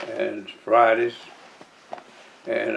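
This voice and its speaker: Over noticeable background noise, a man talks with a Southern US accent. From Georgia, USA. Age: 80s+. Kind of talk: interview answer. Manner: slow, hesitant.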